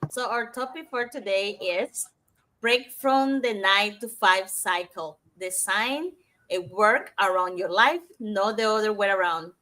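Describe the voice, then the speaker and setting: Bright-voiced woman co-host from Cuba. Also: medium pitch. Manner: reads lists of names and details, slightly halting. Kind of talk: online talk show.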